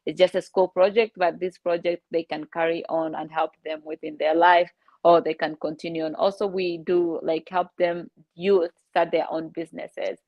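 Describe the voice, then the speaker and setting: A woman's voice: on the low side, little pitch movement, normal speed, a little mellow, dry recording. A woman from Congo with a Ugandan English accent, answering interview questions earnestly with hesitant fillers over a dull remote line. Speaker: guest author.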